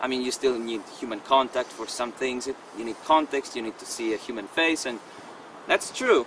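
At a moderate pace, a man with an Italian accent speaks with fairly even intonation. The sound is dry with no echo, and background noise is noticeable. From Italy. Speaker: futurist author; interviewee. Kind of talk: interview; interview answer. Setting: research center. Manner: halting. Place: street.

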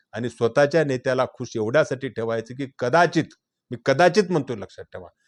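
The man has a normal speaking voice, fairly high, with ordinary pitch variation, on a very clean recording with a silent background. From Nanded district, Maharashtra, India. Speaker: politician. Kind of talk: interview. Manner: forceful.

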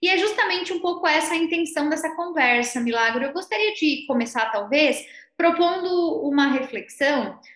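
A woman's high voice at a moderate pace, with audible room echo against a quiet background. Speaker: interview host. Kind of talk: interview question. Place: home room. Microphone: webcam.

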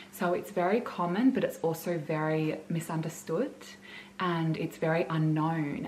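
At a moderate pace, a woman speaks in a fairly low voice over light background noise. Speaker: wellness vlogger. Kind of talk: casual vlog chat. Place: home room. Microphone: phone near.

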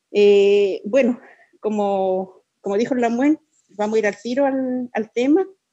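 A woman's fairly high voice with a dark, mellow tone, fairly slow pace, and ordinary pitch variation over a quiet background. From Nueva Imperial, southern Chile; southern Chile. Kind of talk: formal presentation to a commission. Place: home room. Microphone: video call.

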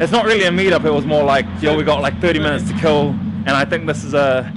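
The speech comes at a very fast pace with ordinary pitch variation. Noticeable background noise runs underneath. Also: man. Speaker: vlogger. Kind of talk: casual vlog chat. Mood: upbeat, excited. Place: street. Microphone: phone near.

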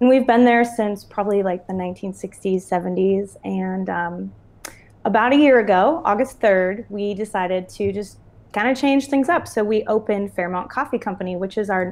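The voice moves at a moderate pace with ordinary pitch variation. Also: woman. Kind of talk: interview answer. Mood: friendly, upbeat. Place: cafe. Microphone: earbuds.

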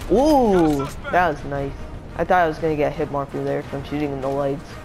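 Over clear background music, a woman talks at a fairly quick pace with a very deep, low pitch. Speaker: gamer. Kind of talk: live gameplay commentary. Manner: excitable, casual.

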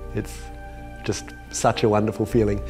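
A man talks with an Australian accent over faint music in the background. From New South Wales, Australia. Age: 30s. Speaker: mathematics professor. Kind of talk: TV interview answer. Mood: enthusiastic, smiling, laughing. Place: classroom. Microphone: lapel.

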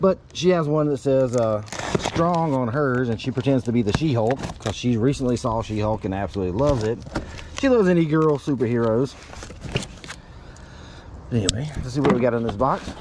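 The speech moves at a fairly quick pace. The sound is dry with no echo, though noticeable background noise is present. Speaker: reseller. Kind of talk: casual unboxing vlog chat. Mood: cheerful, friendly. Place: street. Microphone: phone near.

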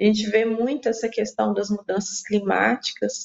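A woman speaks in a fairly high pitch with a flat, monotone delivery. The background is quiet. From Minas Gerais, Brazil (Piuí); Minas Gerais. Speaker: biologist; guest. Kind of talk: radio interview. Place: home room. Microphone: video call.

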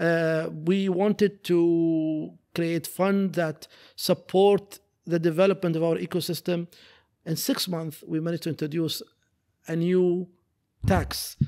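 Against a quiet background, a man with an Arabic accent speaks in a high pitch and a dark, mellow tone, with monotone, flat intonation, a fairly slow pace and long, frequent pauses. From UAE (Sharjah). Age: 50s. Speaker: technology park executive. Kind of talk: interview. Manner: repetitive stammering restarts. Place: studio. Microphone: studio mic.

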